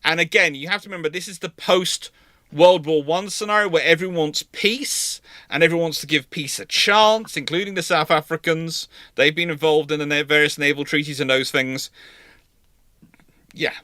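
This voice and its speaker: Male history host, forceful and slightly high-pitched, informal, self-correcting, given to emphatic repetition. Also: moderate pace, dry recording, studio quality. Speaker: host of a live history discussion. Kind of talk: informal live discussion of history.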